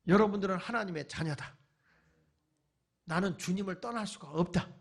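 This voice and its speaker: Husky, high-voiced Korean pastor preaching. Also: male voice, normal speed. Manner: preaching with rhetorical questions and call-and-response; folksy humor. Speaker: pastor, guest revival speaker. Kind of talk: sermon. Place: church revival meeting.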